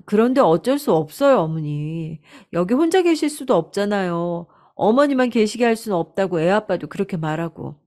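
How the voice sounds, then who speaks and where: A woman's voice: medium pitch, expressive, moderate pace, few pauses, a little mellow, lightly acted. A woman voicing a scheming eldest daughter-in-law who talks sweetly but insistently, pressing her mother-in-law in a storybook drama. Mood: coaxing. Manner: persuasive, pushy, sweetly insistent.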